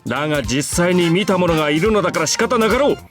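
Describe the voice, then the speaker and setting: An actor playing a stiff, earnest high school boy who speaks in a formal, old-fashioned way in a visual novel. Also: lively intonation, very fast, faint music behind. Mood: flustered indignant. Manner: formal, archaic wording, stern. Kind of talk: Japanese visual novel voice acting.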